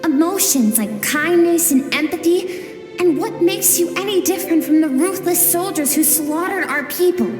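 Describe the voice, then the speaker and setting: High, echoing, earnest young girl. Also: expressive, moderate pace, darkish tone. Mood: earnest pleading. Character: gentle, earnest young girl, a warrior's forgotten younger self. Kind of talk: scripted game voice acting. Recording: echoey reverberant hall with music behind.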